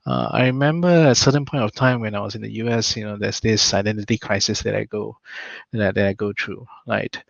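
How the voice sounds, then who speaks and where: A young man, thoughtfully sharing his experience in a casual discussion, often pausing on "uh". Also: lowish voice, fairly even intonation, vocal fry, no echo. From Malaysia. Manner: thoughtful, frequent "uh" hesitations. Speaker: panel guest. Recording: dull lo-fi dry sound.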